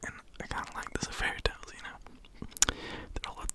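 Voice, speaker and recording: An Australian man with a deep, gravelly voice, telling a story to listeners. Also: fairly quick, pushed and bright, whispered. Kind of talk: dramatic storybook narration.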